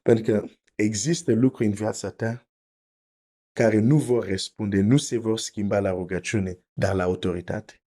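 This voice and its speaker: A man's voice: lowish voice, fairly even intonation, dark tone. A man preaching a teaching sermon, explaining carefully, repeating his points and reading scripture aloud.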